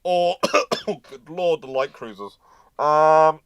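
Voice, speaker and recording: A man's voice: on the high side, takes it slowly, clean tone, dry recording. A man hosting a casual live history discussion, giving opinionated, rambling explanations. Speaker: host of a live question and answer show.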